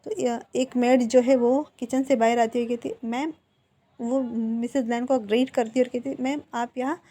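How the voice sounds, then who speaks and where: A woman narrating fan fiction in a plain, steady retelling with repeated connecting phrases. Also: fairly high pitch, normal speed. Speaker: storyteller.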